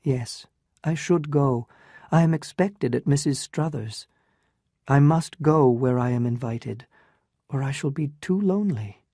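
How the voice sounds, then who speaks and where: A woman's voice: extremely low pitch, unhurried, dark tone, breathy edge, dry recording, clean studio sound, full character voice. A reader voicing an anguished, restrained young woman in a dramatized story reading, with emotional, pleading delivery. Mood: wistful.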